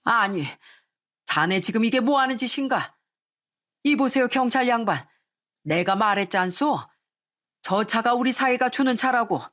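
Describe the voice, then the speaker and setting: A woman's voice: a little high, normal speed, long pauses, pitched above the performer's own voice, lightly acted. A woman voicing a pompous, hot-tempered middle-aged father-in-law in a radio story. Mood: indignant. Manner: bossy, blustering, shouting.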